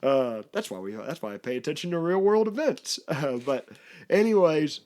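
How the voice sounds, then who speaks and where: A man's voice: fairly high pitch, expressive, a little mellow. A man in his thirties hosting a podcast, telling long rambling stories and laughing at himself. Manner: rambling storyteller, self-mocking, quick to laugh. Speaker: podcast host. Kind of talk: casual chat.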